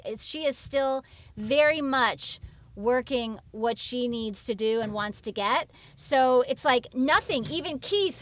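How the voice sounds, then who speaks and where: A woman's voice: on the high side, fairly bright tone. A woman from New York chatting casually as a podcast guest, gushing and acting out reactions. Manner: gushing, acts out quoted reactions. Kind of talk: animated casual chat.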